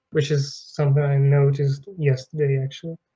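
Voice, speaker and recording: Somewhat breathy and fairly high-pitched, a man speaks with a Russian accent. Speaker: game mod creator. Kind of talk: casual livestream chat while gaming. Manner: halting.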